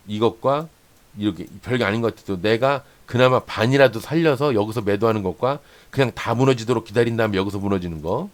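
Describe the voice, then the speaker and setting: Guy with a lowish voice going over stock charts, lots of "here, this much", keeps repeating stuff. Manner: explanatory, points along a chart with many "here" and "this much"; repeats phrases for emphasis, asks "right?" often. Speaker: stock trading channel host. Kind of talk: chart-analysis lesson for day traders.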